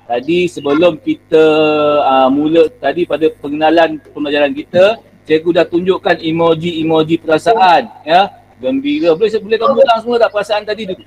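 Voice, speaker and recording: A male Malaysian Malay teacher running an online class over a video call, coaxing pupils and filling pauses with "ah" and "ya". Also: fairly high pitch, a little mellow, rough recording. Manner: coaxing, repeats "ah" and "ya" often. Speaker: primary school teacher.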